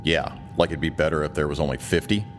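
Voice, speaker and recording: Rattled co-pilot for a thriller audiobook, read by a male narrator, deep, agitated, plain-spoken. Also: steady tone, fast talker, soft background music. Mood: agitated, alarmed. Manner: agitated, colloquial. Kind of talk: audiobook character dialogue.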